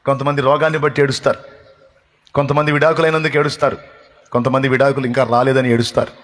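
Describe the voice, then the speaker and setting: Bright, forceful male pastor, impassioned sermon, repetitive build, long hall reverb. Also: medium pitch, level tone, fast. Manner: impassioned, builds through long repeated phrases.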